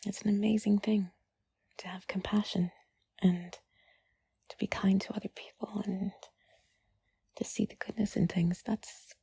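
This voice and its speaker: A woman giving intimate whispered comfort talk, soothing and gently reassuring, in a breathy, husky whisper with drawn-out pauses. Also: mid-range voice, level tone, dry recording. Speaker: audio creator speaking to the listener.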